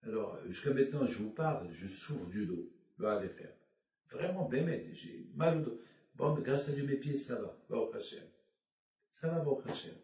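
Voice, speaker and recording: A man's voice: medium pitch, animated, mellow. Tired man preaching over a roomy call. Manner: halting, repetitive, heartfelt preaching. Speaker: rabbi. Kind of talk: sermon over a video call. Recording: echoey, distant video call audio.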